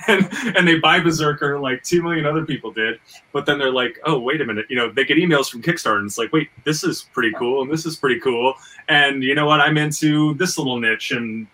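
A man's voice: mid-range voice, fairly quick, bright, forceful tone, far from the mic, rough recording. A man talking casually as a podcast co-host, enthusiastic and rambling, often stammering and repeating words as he thinks. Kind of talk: casual conversation about making independent comics and audio.

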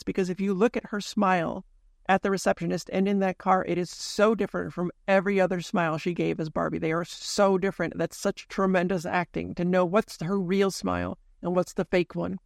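A host analyzing a film in deliberate video essay narration, then chatting casually with a guest. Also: mid-range voice, little pitch movement, vocal fry, no room sound, studio quality. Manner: deliberate, analytical, reads out timestamps.

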